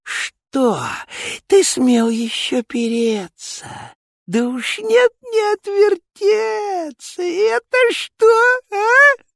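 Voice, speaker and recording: A reader voicing an irate, bearded old tsar who shouts high-pitched threats in a storybook verse tale. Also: animated, very slow, dry recording, studio quality, heavily acted. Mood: furious.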